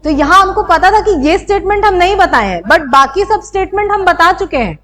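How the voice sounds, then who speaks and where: Young woman, high voice, a teacher working through quiz questions with students. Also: lively intonation, fairly quick, fairly bright tone. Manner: explanatory, asks students rhetorical questions. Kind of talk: exam-prep lecture.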